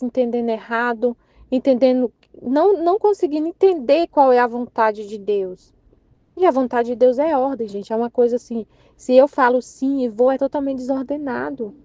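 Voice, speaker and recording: Brazilian woman, higher-pitched, telling a personal faith story in a halting, rambling way; dull, dry lo-fi capture. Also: a little mellow, no room sound. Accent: Brazilian Portuguese. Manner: rambling and halting, many fillers and restarts. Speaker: faith study group participant. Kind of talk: casual spoken testimony. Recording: dull lo-fi audio.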